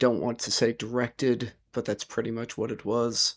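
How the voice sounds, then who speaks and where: A man uses a raspy, put-on character voice at a medium pitch and moderate pace. The recording is very clean, with a silent background. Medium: actual play. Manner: clipped, dry, formal.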